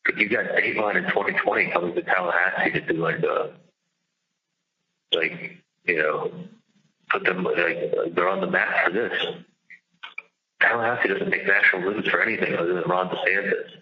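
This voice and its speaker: A man's voice: deep voice, fairly even intonation, moderate pace, long pauses. A man venting casually and profanely on a phone call, agitated and emphatic, often repeating himself. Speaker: jailed caller on a recorded phone call. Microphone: telephone. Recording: dull lo-fi recorded jail phone call.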